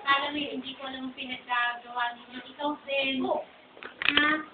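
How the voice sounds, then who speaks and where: A woman teacher talking fondly to her pupils at a graduation, scolding them gently and often asking "ha?". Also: high-pitched, flat delivery, moderate pace, crowd noise. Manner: fond, scolding, often asks "ha?". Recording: far-off echoey tinny home video with loud ambience.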